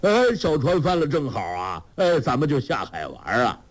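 A man's voice: medium pitch, very animated, moderate pace, pitched above the performer's own voice. A man voicing a childish, mischievous old man who talks with lots of little grunts and giggles. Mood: playful. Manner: giggly, full of interjections.

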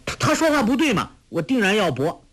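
A man voicing a clever, lively teenage girl who is pert and quick to argue, in a storybook reading. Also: sits high, voice pushed up.

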